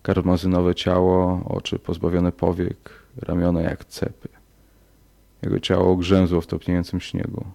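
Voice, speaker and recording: A man narrating a horror story in a slow, measured audiobook reading. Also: deep voice, monotone, gravelly, dark tone.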